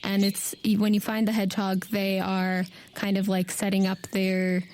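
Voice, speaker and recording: A woman's voice: medium pitch, monotone, moderate pace, darkish tone. A woman running a tabletop roleplaying game, narrating scenes off the cuff as game master.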